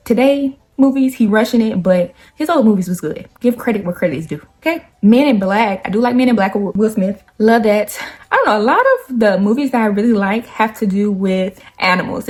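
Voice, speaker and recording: A woman's voice: mid-range voice, a little mellow. A woman, chatting casually and laughing often as she answers get-to-know-me questions. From Nashville, Tennessee. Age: 20s. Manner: chatty, laughs often, slangy asides to viewers. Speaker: YouTuber.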